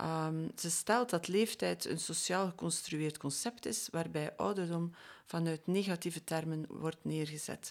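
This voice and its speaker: A plain, everyday voice from a woman, fairly low in pitch with ordinary pitch variation, at a fairly slow pace on a very clean recording with a silent background. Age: 50s. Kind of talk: casual chat.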